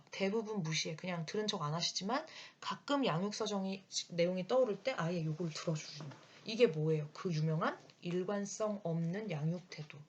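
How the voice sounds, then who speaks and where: Animated woman instructor in her thirties, slightly husky, explains classroom childcare with vivid asides. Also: medium pitch. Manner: lively, breaks into quick acted quotes of parents and children. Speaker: early childhood education instructor. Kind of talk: explanatory lecture.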